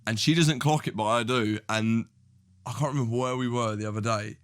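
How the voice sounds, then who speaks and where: A man's voice: mid-range voice, fairly quick, dry recording, clean studio sound. A young man chatting as a guest, rambling with many fillers. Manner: rambling, lots of fillers, animated storytelling with put-on voices. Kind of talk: casual chat.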